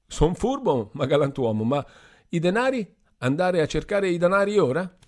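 A man voicing a boastful, drunk young man who shouts and slurs his words. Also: a little high, moderate pace, pitched above the performer's own voice. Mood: drunken. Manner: slurred, shouting, excitable.

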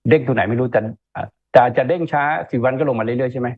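A man's voice: mid-range voice, very fast, breathy edge, dry recording. A man in an interview giving stock market commentary, talking emphatically and checking in with rhetorical questions, over a tinny phone-line sound. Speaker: investment analyst guest.

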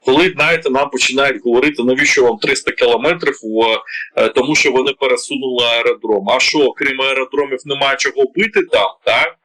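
A man's voice: medium pitch, brisk, pushed and bright, rough recording. A man with a Ukrainian accent giving heated political commentary, indignant and full of rhetorical questions, with many hesitation sounds.

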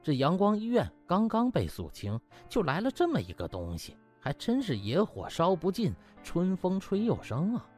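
A man's voice: high-pitched, wildly swooping pitch, normal speed, hardly any pauses, darkish tone. A man narrating an audiobook in a dramatic, colloquial storytelling style, theatrical with rhetorical questions and exclamations. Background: background music.

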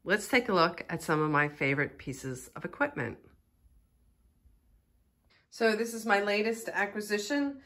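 Hosting a casual tour of her studio, a middle-aged artist with a Philadelphia American accent explains things in a chatty way. She speaks at medium pitch, expressively and a bit slowly, pausing often, with a slightly bright tone.

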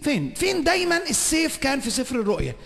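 High, gravelly Egyptian preacher. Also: male voice, huge pitch swings, rapid-fire, big-room sound. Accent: Egyptian Arabic. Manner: swings between shouting and hushed whispers. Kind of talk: sermon. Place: large conference hall.

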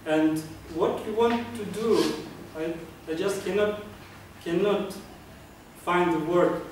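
A man's voice: sits high, takes it slowly, recorded from a distance, slight background noise. Earnest man in an echoey room. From Kazakhstan. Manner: earnest, repeats and restarts phrases, many uh fillers. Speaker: club speaker. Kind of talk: prepared public speech. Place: meeting room, indoors. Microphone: far camera.

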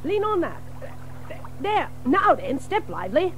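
A woman's voice: very high-pitched, very animated, a little slow, fairly bright tone, a little hiss or hum, heavily acted. A woman playing a chatty, friendly water rat in a children's audio drama, hearty and exclamatory. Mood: brisk, hearty. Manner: hearty, exclamatory, chuckling and hesitating.

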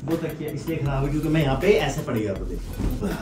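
A man's voice: fairly high pitch, animated, fast talker. A young man, a fitness vlogger, chatting casually and teasing friends while filming in a hotel and gym. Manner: chatty, teasing, hypes up others. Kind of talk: casual vlog chat. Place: hotel room, restaurant and gym. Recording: echoey rooms with music behind.

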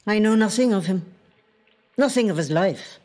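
An actress with a Northern Irish accent playing an ancient, watchful lake spirit in a literary audio drama, speaking in measured, hushed poetry. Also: female voice, mid-range voice, expressive, close to an everyday voice. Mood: hushed, entranced. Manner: measured, hushed, poetic storytelling. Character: ancient female spirit of a wild mountain lake, watchful, possessive.

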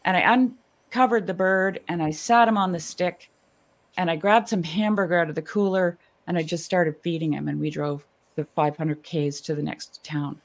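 A woman's voice: on the low side, steady tone, moderate pace. A woman telling personal stories casually on a video call, earnest, in short emphatic phrases. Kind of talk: casual personal storytelling and discussion.

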